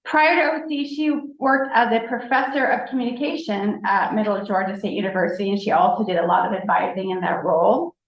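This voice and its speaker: A woman's voice: mid-range voice, a little fast, hardly any pauses. Upbeat woman in an echoey room. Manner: upbeat, enthusiastic. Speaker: college director of advising. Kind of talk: presenting new staff at a board meeting. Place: board meeting room. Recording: echoey room, dull lo-fi sound.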